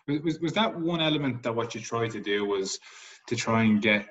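A man's voice: medium pitch, lively intonation, fairly quick, a bit bright, lo-fi sound. An Irish man interviewing in a casual sports chat, putting long, loosely built questions in a conversational way.

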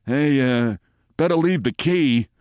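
A man's voice: mid-range voice, slow pace, darkish tone, smooth, no echo, studio quality, voice pushed up, lightly acted. A man voicing a cocky, bossy male parking attendant in a storybook reading. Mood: brusque, bossy. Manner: brusque, bossy.

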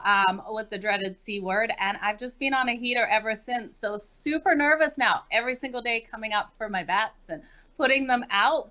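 A woman from Canada, a guest picking hockey bets, talking in a quick, upbeat and confident way over a remote line. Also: medium pitch, pushed and bright, dull audio. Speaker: sports betting guest. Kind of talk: casual interview.

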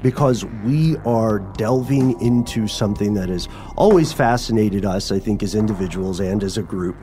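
A man hosting a podcast in a conversational style, with measured, slightly formal and wordy phrasing. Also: fairly low pitch, dark tone, soft background music. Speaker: podcast host.

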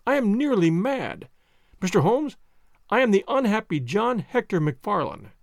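A man's voice: sits high, big pitch swings, normal speed, vocal fry, no room sound, studio quality, heavily acted. A man voicing a frantic, pale young solicitor who pleads urgently and breathlessly for help. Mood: frantic pleading.

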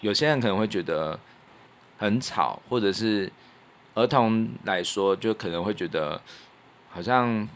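Low-voiced, modest Taiwanese Mandarin man. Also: a little slow, long pauses. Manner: modest, self-effacing. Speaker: podcast co-host, radio producer. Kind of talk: casual chat, reflective storytelling.

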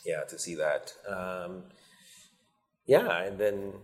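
A man from Nigeria, a company founder, answering interview questions in a measured, thoughtful way with frequent pauses. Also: low-pitched, expressive. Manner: measured, thoughtful, many ums.

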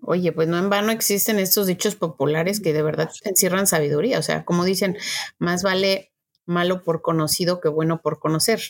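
Lower-voiced woman, reflective podcast co-host. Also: fairly even intonation, brisk. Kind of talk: conversational discussion of faith.

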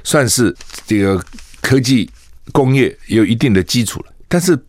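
A man's voice: medium pitch, normal speed, dry recording, clean studio sound. Older man hosting a radio talk show. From Taiwan. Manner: lively, scolding rhetorical questions. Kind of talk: opinionated radio commentary. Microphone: studio microphone.

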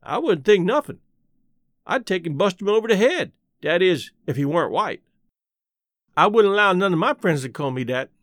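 A man acting Jim, high-pitched stubborn Southern man. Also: animated, normal speed, fairly bright tone, dry recording, studio quality. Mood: baffled, indignant. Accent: American South. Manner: folksy dialect, emphatic argumentative questioning. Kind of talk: audiobook character voice.

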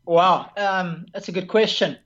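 Man, South African accent, former player turned commentator, earnest, measured, dull low-fidelity audio. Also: steady tone, a bit bright. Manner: earnest, measured, lists points methodically. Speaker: tennis broadcaster and former player, guest. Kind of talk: relaxed interview conversation.

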